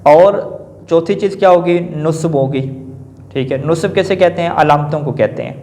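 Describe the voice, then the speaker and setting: A male teacher giving a classroom lecture on grammar, posing questions to the class and answering them himself, often adding a quick confirming filler. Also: on the high side, dark tone. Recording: echoey room, dull lo-fi sound.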